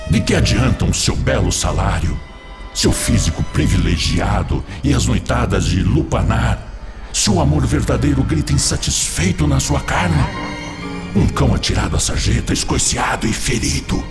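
A man's voice: mid-range voice, expressive, moderate pace, creaky. An actor playing a cunning male spirit who seduces and tempts, whispering and then pressing hard. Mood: insistent. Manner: persuasive, insinuating, swings between whispers and rising urgency. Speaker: voice actor in radio drama. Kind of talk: radio drama acting. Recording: radio drama with music bed.

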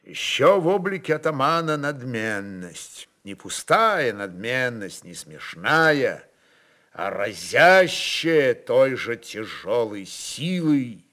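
A male storyteller reads literary drama with a slow delivery and wide, animated intonation. The narration is deliberate and expressive, with a bright edge. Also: mid-range voice.

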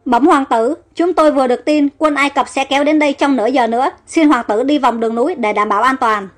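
A woman's voice: sits high, fast talker, soft background music, natural voice. A woman voicing a male soldier captain who speaks with urgency. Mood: urgent.

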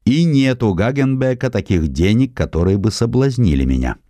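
A man's voice: medium pitch, big pitch swings, normal speed, warm tone, no room sound, pitched above the performer's own voice, close to an everyday voice. A man voicing a proud, principled estate owner who guards his animal reserve, declaiming firmly in an audiobook. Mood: proud refusal.

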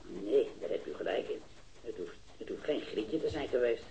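Gravelly and dark in tone, this mid-range male voice has lively intonation, with the highs cut off in the recording. An actor plays a hesitant, eager eyewitness to a robbery, a metal worker in his early thirties, for a 1970s radio drama. He halts, stammers and repeats himself, sounding unsure and rambling.

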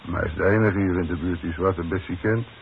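A man acting a gruff, wry working-class Dutch demolition foreman in a 1960s radio play, talking bluntly to his boss. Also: low voice, steady tone, fast talker. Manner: dry, sardonic, blunt. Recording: muffled, hissy old radio broadcast recording.

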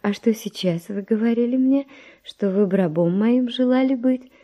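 An actress playing a virtuous young Spanish noble widow, with refined, breathy, emotional delivery in a verse radio drama. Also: female voice, fairly high pitch, moderate pace, warm tone, lightly acted. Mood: insistent curiosity.

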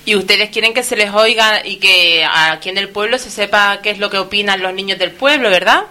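A woman's voice: medium pitch, brisk, bright, forceful tone. A woman hosting a local radio show, coaxing children to speak and prompting them with questions. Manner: coaxing, keeps prompting with "a ver". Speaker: radio host interviewing children.

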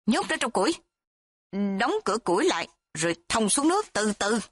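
A woman doing a raving young nobleman, shouting high. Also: sing-song, moderate pace, slightly rough, dry recording, studio quality. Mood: cruel. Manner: shouting, wild and threatening. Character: volatile young male noble, raving and violent.

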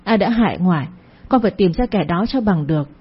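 A woman's voice: on the low side, animated, a little fast, breathy edge, highs cut off. A woman voicing a distraught young village woman. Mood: tearful. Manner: pleading and distraught.

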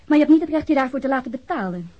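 An actress playing a tough, sardonic vice squad policewoman with a husky voice in a radio crime drama. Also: sits high, expressive, very fast, highs cut off. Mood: mocking, assured. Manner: sardonic, unyielding.

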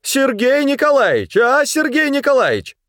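A man's voice: on the high side, sing-song, moderate pace, dry recording, pitched above the performer's own voice. Coaxing middle-aged woman clerk, voiced by a man, lilting, dry close sound. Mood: indignant calling. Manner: coaxing, gently pleading.

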